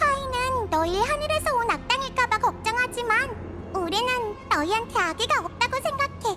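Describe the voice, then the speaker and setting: A cartoonish character voice speaks at an extremely high pitch and a moderate pace. Clear music plays in the background. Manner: casual, warm.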